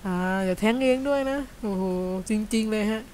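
A man with a high voice giving excited, casual play-by-play commentary over a video game, full of exclamations. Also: brisk, slight background noise. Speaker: gameplay commentator.

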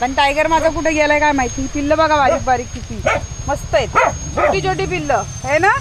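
A woman vlogging about her dog in casual chat, often shooing and calling out loudly. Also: high voice, very noisy. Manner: scolding and shooing the dog, loud calls. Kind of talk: casual pet vlog.

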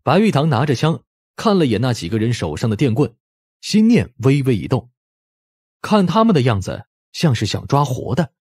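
Male audiobook narrator: slightly rough, animated delivery, dramatic storytelling, close dry sound. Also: mid-range voice, normal speed, dry recording.

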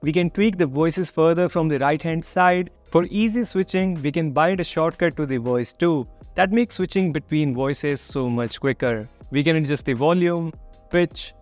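A young man with a slightly raised pitch talks straight to camera in a dim home studio. He runs through a software review in an upbeat, friendly way. Soft music plays faintly underneath. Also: moderate pace. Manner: upbeat, friendly, walks through steps plainly. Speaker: tech reviewer, channel host.

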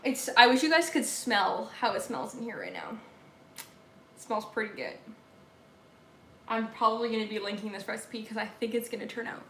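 A woman's voice: a little high, very animated, moderate pace, long pauses, pushed and bright, slight background noise. A young woman with a Southern accent chatting casually on a live stream from her home kitchen, answering viewer comments while she bakes. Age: young adult. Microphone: laptop or phone camera at table distance. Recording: echoey kitchen room sound.

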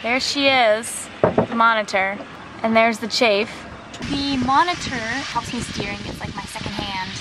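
A young adult woman casually narrating her own video diary on a sailboat, recorded on a handheld camera amid loud boat noise. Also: mid-range voice. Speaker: solo sailor narrating life aboard. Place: aboard a small sailboat.

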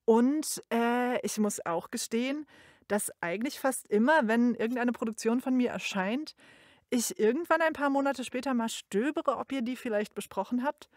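A woman's voice: fairly high pitch, normal speed, no room sound, clean studio sound. A woman recording an informal congratulatory voice message in a chatty, emphatic way. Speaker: guest sending a recorded greeting.

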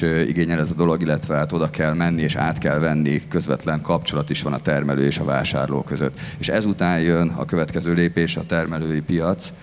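Very deep flat-voiced man, hall echo. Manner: explanatory, filler-heavy. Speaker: farmers' market organizer, panel guest. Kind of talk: panel discussion answers. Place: large expo stage with sofas. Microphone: handheld mic. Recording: long hall reverb.

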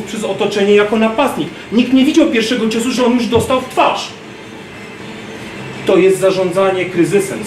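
High-voiced man teaching in an echoey gym. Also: slight background noise. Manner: animated, gestures, acts out street scenes. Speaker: self-defense instructor. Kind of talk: lecture to a class. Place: large gym hall, indoors. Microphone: far camera. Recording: roomy gym echo from far off.

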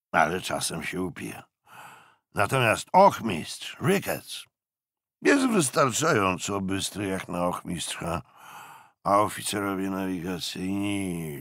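A man voicing a tipsy veteran navy lieutenant in an audiobook, gossipy and cautious, rambling hesitantly in a gravelly voice. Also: low voice, a bit bright, no echo, studio quality, heavily acted. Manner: hesitant, rambling, with trailing interjections.

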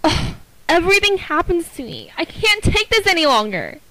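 A woman performing short dramatic character lines for an amateur voice acting audition in an expressive, theatrical manner. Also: extremely high pitch, moderate pace, dry recording, rough recording.

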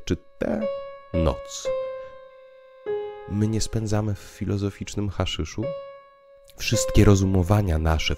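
A man voicing a condemned revolutionary in an audio drama, weary and skeptical, philosophizing with grand, ironic rhetoric. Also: extremely low pitch. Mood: ironic, doubting. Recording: piano music underneath.

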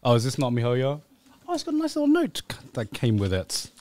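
A young man co-hosting a casual livestream podcast, unboxing fan gifts in a small studio. He is animated, laughs often and repeats phrases. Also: mid-range voice, a little fast, a little hiss or hum. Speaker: podcast co-host. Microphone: boom-arm studio mic.

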